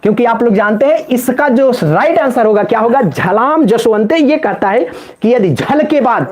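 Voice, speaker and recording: A man's voice: very high voice, expressive, moderate pace. A man teaching Sanskrit in a live online exam-prep class, chanting word forms in a sing-song rhythm and joking with viewers in the chat. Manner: playful, banters with viewers in chat.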